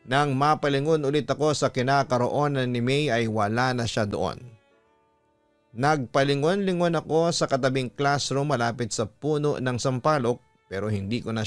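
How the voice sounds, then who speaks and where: A man with a Filipino accent, a radio-style host reading a listener's letter aloud as scripted dramatic narration. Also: mid-range voice. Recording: music bed behind voice. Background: background music.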